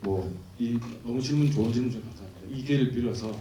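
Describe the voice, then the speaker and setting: A man's voice: medium pitch, quick pace, warm tone, a little hiss or hum. A man, a film director, answering audience questions with polite thanks. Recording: echoey cinema hall from far off.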